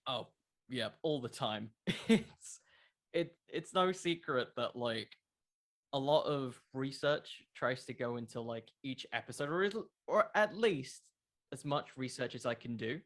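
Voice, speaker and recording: A podcast creator in his twenties appears as an interview guest, talking casually in an unhurried, animated mid-range voice. He's thoughtful yet informal, frequently hesitating, restarting and leaning on filler words.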